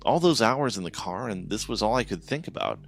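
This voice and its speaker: A deep-voiced man narrating a first-person horror tale, his delivery rising and falling with lively swings. It is scripted, dramatic storytelling, with faint music playing underneath. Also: a little fast, creaky.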